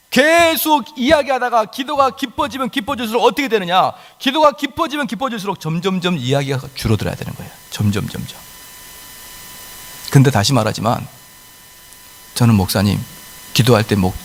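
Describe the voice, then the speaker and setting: A man's voice: high voice, in a large hall. A male pastor preaching a sermon emphatically, with rhetorical questions and acted-out quotes. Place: church sanctuary.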